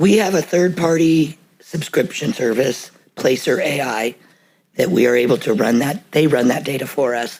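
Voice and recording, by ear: Putting on a character voice, a man sounds raspy and hoarse, speaking at a moderate pace in a fairly high pitch with lively intonation.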